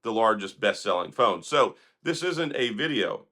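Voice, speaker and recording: A hoarse man, sick for days, hosting an opinionated tech commentary vlog in a sarcastic, critical, rambling manner. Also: on the low side, animated, moderate pace, bright, forceful tone. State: hoarse, recovering from illness. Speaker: tech video host.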